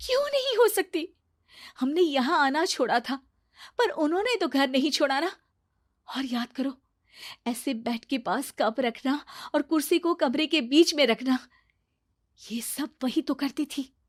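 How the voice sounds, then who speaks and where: A woman's voice: sits high, lively intonation, a little slow, voice pushed up. Woman putting on an insistent young cartoon woman. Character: young woman, earnest and knowing.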